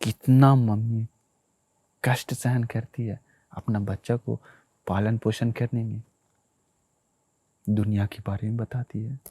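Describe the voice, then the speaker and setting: A man with a low, mellow voice delivers a sermon. He tells a story plainly and keeps repeating key phrases, turning often to address his listeners. The recording is dry and close. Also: flat delivery, takes it slowly, pauses often, husky, no echo. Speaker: Buddhist monk preacher.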